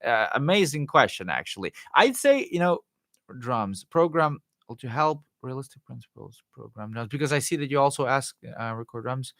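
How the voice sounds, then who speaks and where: A man hosting a live Q&A, answering viewer questions in a loose, rambling way with fillers and restarts, his voice going hoarse. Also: medium pitch, big pitch swings, normal speed, a bit bright, no room sound, clean studio sound. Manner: rambling, many fillers and restarts, jokey asides. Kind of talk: casual live-stream Q&A, reading and answering chat questions.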